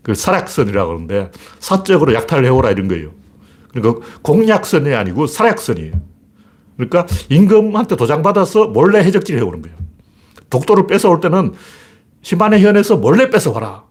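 A man giving a political commentary monologue, animated, acting out shouted orders in mock voices. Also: a little high, fast talker.

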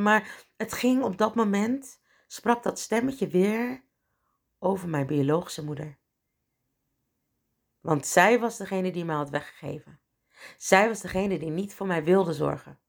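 A woman's voice: mid-range voice, creaky. A middle-aged woman hosting a podcast, telling a personal story candidly and with feeling, sometimes acting out inner voices. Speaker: podcast host.

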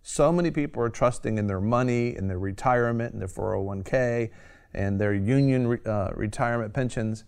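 A man's voice: medium pitch, a little fast, creaky, a little mellow, clean tone. Earnest man hosting a talk show. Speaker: host.

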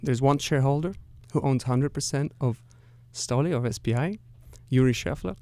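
In this interview, a middle-aged man with a Russian accent speaks as a company executive, measured and careful as he explains. His medium-pitched voice has a warm tone, and there's no room sound.

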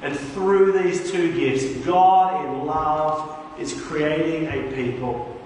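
A higher-voiced man preaches earnestly, leaning on key words with a slower pace. His voice comes from a distance and rings through a big reverberant church hall, with faint room noise underneath. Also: darkish tone. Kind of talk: sermon. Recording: echoey hall, voice from far off.

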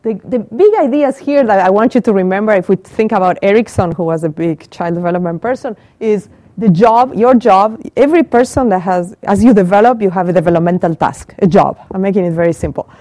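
A middle-aged woman from Argentina, speaking with an Argentine Spanish accent, is a professor giving an interactive lecture to a small group, asking questions and repeating the answers. Her medium-pitched voice is mellow and fairly quick, with no echo. She's in a small room with a live audience, using a handheld mic.

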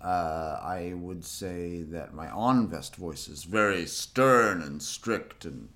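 A man's voice: low-pitched, slow, a bit bright. A man talking casually as a podcast guest, good-humored, laughing at himself and often restarting his phrases. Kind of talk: casual conversation.

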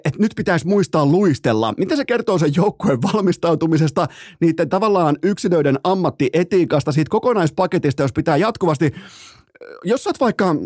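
A man hosting a sports podcast, ranting in a mock-outraged comic way and shouting out quoted commands. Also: a little high, no echo, clean studio sound. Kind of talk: comedic sports podcast rant.

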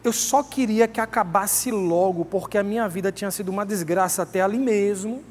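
A desperate, beaten woman from scripture tells her story in slow, heavy, pleading words, as a preacher with a high voice puts her on. The sound carries a long hall reverb with a faint hiss underneath. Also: close to an everyday voice. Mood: anguished. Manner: slow, heavy, pleading retelling in first person.

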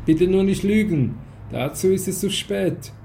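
A man's voice: on the high side, lively intonation, a little slow, gravelly, mellow, faint music behind. A man reading a cold, scornful official. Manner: scolding, condescending, growling. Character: stern, cold male official of a drugged state.

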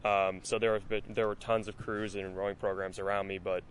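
A man's voice: on the low side, brisk, slight background noise. A young man who rows in college and is from Massachusetts, telling his story in an interview. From Massachusetts, USA. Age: young adult. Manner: steady storytelling with fillers. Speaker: college rower. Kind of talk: interview answers.

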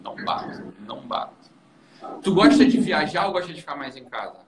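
Man host, fairly high and very lively voice, teasing explainer, echoey room with steady background noise. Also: a little fast. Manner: animated and teasing, often tags "entendeu?". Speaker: host explaining personality temperaments to a young guest. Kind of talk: casual explanatory chat.

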